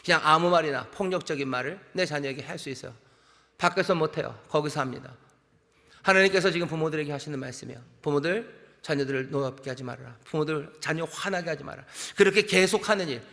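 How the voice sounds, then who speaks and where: A man's voice: fairly high pitch, fairly bright tone. A middle-aged male pastor preaching a sermon, emphatic and repetitive, putting questions to his congregation. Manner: emphatic, repeats key phrases, asks the congregation questions. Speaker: senior pastor. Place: large church sanctuary. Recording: long reverb of a large church sanctuary.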